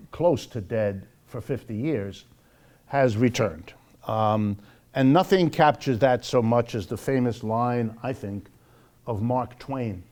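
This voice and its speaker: A man with an American accent lecturing off the cuff to a live audience, wry and emphatic, slowing for dramatic weight. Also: medium pitch, darkish tone. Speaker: lecturer hosting a monthly public talk.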